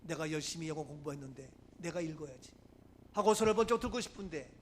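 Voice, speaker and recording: A middle-aged pastor from Gangwon Province gives an animated sermon, moving from hushed asides to loud preaching. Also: male voice, a little high, fast talker, a little hiss or hum. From Gangwon Province, Korea. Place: church sanctuary.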